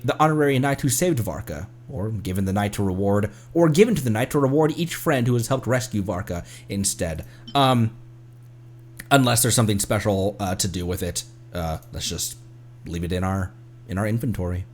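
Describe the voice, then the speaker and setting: A man hosting a live game stream with casual, expressive, self-teasing commentary. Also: mid-range voice.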